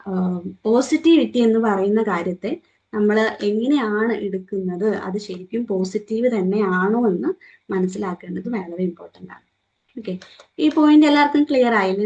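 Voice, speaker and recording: In a muffled recording, a young Malayali-accented trainer with a fairly high, slightly mellow voice leads a morning session. Her talk to the group is interactive: she asks questions and acts out quoted remarks.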